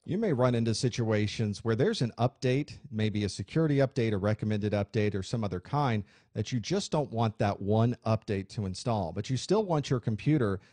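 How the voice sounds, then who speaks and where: A man teaching a computer course, explaining software settings in a clear, steady way while recording a screen tutorial. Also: on the low side, moderate pace, hardly any pauses, dry recording. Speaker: IT instructor.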